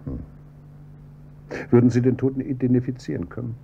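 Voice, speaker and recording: An actor playing a calm, probing police inspector who heads homicide in a radio drama, with a dry, measured delivery. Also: male voice, medium pitch, gravelly, lightly acted. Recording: dull, slightly noisy audio with hum.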